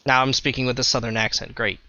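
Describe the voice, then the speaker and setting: A man's voice: mid-range voice, little pitch movement, quick pace, pushed and bright, lo-fi sound. A man running a tabletop game as game master, joking and laughing loosely between scenes.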